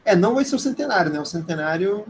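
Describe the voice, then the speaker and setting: Higher-pitched Brazilian man teaching informally. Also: animated, fast talker, a little hiss or hum. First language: Portuguese. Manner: conversational, hesitant, frequent tag questions. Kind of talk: informal live lecture with screen demonstration.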